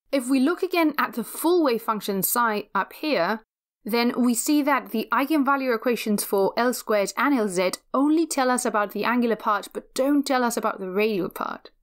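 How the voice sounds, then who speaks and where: Measured woman lecturing on physics. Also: on the high side. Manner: measured, methodical explaining. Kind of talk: scripted lecture narration.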